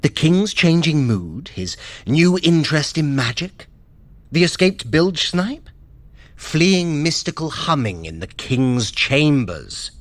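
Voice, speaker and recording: Sly trickster god, wildly swooping delivery. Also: male voice, on the high side, big pitch swings, takes it slowly. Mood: smug, mocking. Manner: condescending, theatrical, sardonic. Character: sly, vain trickster god, male, scheming and exasperated. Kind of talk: dramatic audio fiction acting.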